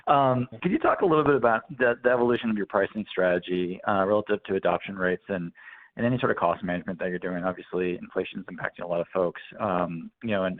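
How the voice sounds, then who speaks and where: A man with a deep voice asks a question as an analyst on an earnings call. He talks quickly, and the sound is narrow, like a telephone. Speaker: financial analyst caller. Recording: thin phone line.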